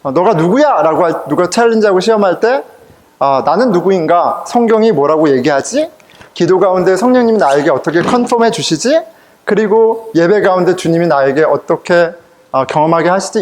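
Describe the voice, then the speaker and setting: A male pastor with a high, lively voice that swings up and down as he preaches. He tells his stories in a chatty, joking way, laughs along with them, and keeps turning to the congregation with questions. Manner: conversational, humorous, laughs while telling stories. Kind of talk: sermon with personal anecdotes.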